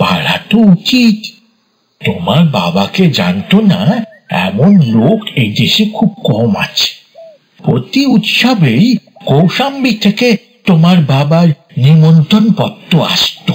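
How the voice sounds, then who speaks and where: A man speaks at a very slow pace. His high pitch swings very widely. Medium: read story. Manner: eager, coaxing, conspiratorial.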